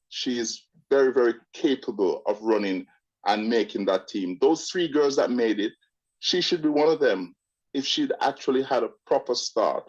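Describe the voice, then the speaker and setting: A man's voice: mid-range voice, a little mellow. A man from Jamaica with a blend of Jamaican and British speech calls in to a show, chatting in a casual, opinionated way. He often restarts his sentences and repeats words before getting to the point. His voice arrives over a dull, narrow-sounding phone line. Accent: Jamaican with British mix. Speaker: caller. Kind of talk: casual call-in chat.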